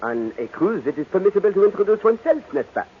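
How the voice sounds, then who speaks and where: Courtly detective, French accent, high-pitched, swooping intonation, old-time radio drama. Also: male voice, big pitch swings, fast, slight background noise. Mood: gently probing. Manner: theatrical, courtly, musing. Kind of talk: 1940s American radio drama acting. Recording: tinny, narrow-band old radio recording.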